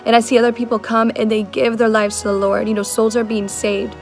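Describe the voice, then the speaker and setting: A woman's voice: a little high, monotone, brisk, soft background music. A woman earnestly testifying about her father's actions, speaking in short accusing bursts. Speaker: witness describing her father. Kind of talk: testimony in an interview.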